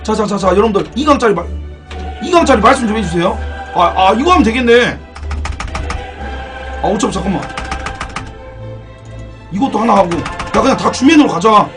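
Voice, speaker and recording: A young man live-streaming a game, excitable and profane, thanking donors as he plays. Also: sits high, normal speed, long pauses. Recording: distant mic, background music.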